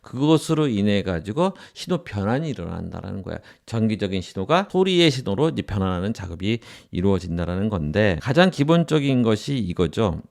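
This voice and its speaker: A man's voice: lowish voice, very animated, a little fast, creaky, few pauses, darkish tone. A man giving an informal tutorial lecture as an audio instructor, explaining and often restating his points for emphasis.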